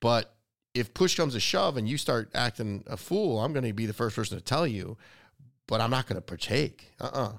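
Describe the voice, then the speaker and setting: A man with an American accent and a normal speaking voice at medium pitch, fairly quick pace and ordinary pitch variation, on a very clean recording with a silent background. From Detroit area, Michigan. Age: 40s. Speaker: podcast host. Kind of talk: casual chat.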